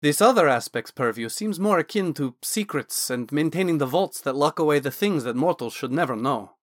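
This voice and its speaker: A man voicing a curious, blithe male dragonborn scholar-mage who lectures in a brisk, lightly excited way. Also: a little high, no room sound, clean studio sound. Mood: explaining.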